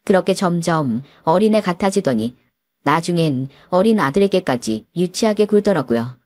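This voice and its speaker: A woman's voice: fairly low pitch, animated, moderate pace, a little mellow, dry recording. Woman narrating a story, dry close sound. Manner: confiding first-person telling.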